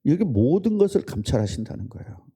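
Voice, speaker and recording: A man's voice: medium pitch, big pitch swings, fast talker, dark tone, slightly rough. A man preaching a casual sermon, chatting with and quizzing his congregation and its children. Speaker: pastor. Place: church service room.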